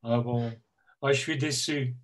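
A man's voice: mid-range voice, fairly even intonation, unhurried. A man in his fifties hosting a casual chat on a video call from home, hesitant with many fillers and given to playful teasing. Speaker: host. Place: home room, indoors.

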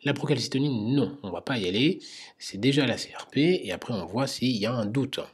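Male medical teacher, husky, hesitant explainer, quiz lecture. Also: mid-range voice, animated, a little fast.

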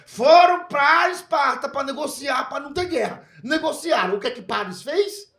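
High-voiced, gravelly comedian on stage. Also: male voice, normal speed. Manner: crude, animated storytelling with mock foreign voices. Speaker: stand-up comedian. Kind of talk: stand-up comedy set. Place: comedy club stage with a live audience. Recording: echoey room, loud crowd laughter.

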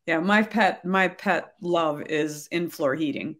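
A woman's voice: low-pitched, slow pace, a bit bright. An older woman hosting a webinar interview over a video call in a conversational style. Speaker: webinar host, realtor.

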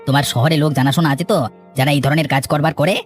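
A man voices a treacherous village con man in a cartoon. He rattles off boasts and wheedling pitches at speed, with music in the background. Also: steady tone, rapid-fire, close to an everyday voice. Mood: scheming. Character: cocky, greedy village swindler, smooth-talking and treacherous. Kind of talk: dramatized cartoon villain dialogue.

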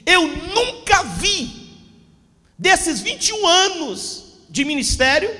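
A pastor in his forties preaching a fervent Pentecostal sermon into a handheld mic, often shouting. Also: very high-pitched. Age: 40s. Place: church hall with a stage backdrop. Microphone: handheld microphone. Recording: long hall reverb.

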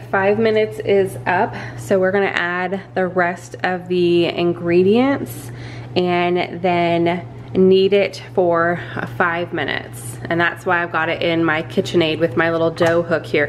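Lady chatting thru a recipe in her kitchen, lowish voice, bit of hum behind. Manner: chatty, self-deprecating, hopeful. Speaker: vlogger. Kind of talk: casual cooking walkthrough. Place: home kitchen.

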